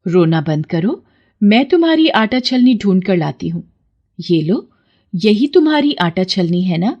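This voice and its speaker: A stern goddess of a pond speaks with commanding authority, as a woman voices her. Her voice has a lively, swooping melody. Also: medium pitch, measured pace, muffled recording. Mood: kind. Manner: commanding, scolding.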